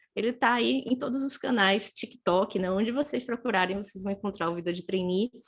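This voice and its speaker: Speech in a Pernambuco accent runs at a fairly quick pace with lively intonation and hardly any pauses. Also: woman, medium pitch for a woman. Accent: northeastern Brazilian (Pernambuco). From Pernambuco, Brazil. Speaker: career speaker and HR recruiter. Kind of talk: live online talk. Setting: online livestream. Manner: fast; animated.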